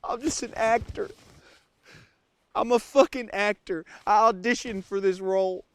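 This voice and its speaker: An actor playing a lost, cold and hungry survival-show star whose confession swings between sobbing and panic. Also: male voice, mid-range voice, steady tone, normal speed, a little mellow, no echo, lightly acted. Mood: confessional. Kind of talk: comic monologue acting.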